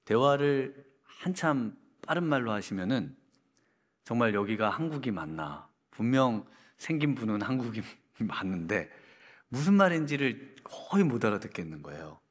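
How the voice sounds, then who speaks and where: A man's voice: medium pitch, big pitch swings, normal speed. A middle-aged man preaching a Friday prayer meeting sermon, telling stories casually with many fillers. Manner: conversational storytelling with many fillers. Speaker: pastor. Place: church sanctuary. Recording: church hall reverb.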